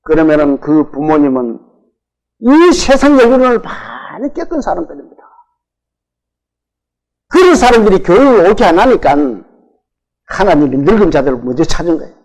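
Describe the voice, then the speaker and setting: A male pastor with a Gyeongsang Korean accent delivers a sermon in a high-pitched voice that swoops up and down. He poses questions to the congregation and answers them himself, drawing out the words he stresses. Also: very animated, moderate pace, pauses often, darkish tone, poor audio.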